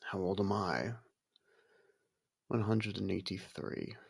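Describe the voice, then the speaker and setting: A man playing an aloof centuries-old vampire who grudgingly cares for a human, in an intimate ASMR roleplay, gravelly, husky and measured with a slightly haughty, halting delivery. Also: low-pitched, steady tone, exaggerated voice. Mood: measured, explanatory.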